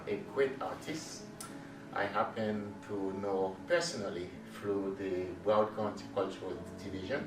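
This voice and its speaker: Halting man interviewing in a roomy studio. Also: fairly low pitch. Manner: halting, with fillers and restarts. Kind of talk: interview host. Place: art studio. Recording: roomy studio sound from a distance with music behind.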